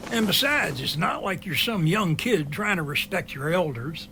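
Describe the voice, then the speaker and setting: A man's voice: high voice, expressive, normal speed, creaky, bright, forceful tone, a little hiss or hum, full character voice. A man playing an easygoing, curious middle-aged helicopter pilot in an amateur audio drama, chatty and wry.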